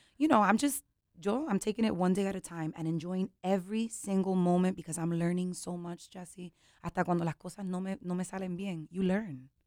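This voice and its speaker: With a medium pitch and ordinary pitch variation, a woman talks at a moderate pace in an ordinary speaking voice, the sound dry and close with no echo. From New Jersey, Puerto Rican family. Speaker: singer and dancer. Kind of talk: interview. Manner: code-switching Spanish and English.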